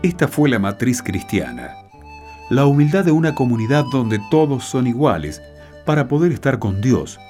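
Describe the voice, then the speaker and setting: A man's voice: mid-range voice, big pitch swings, moderate pace. A man with an Argentine accent narrating a scripted religious radio programme as its host. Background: loud music.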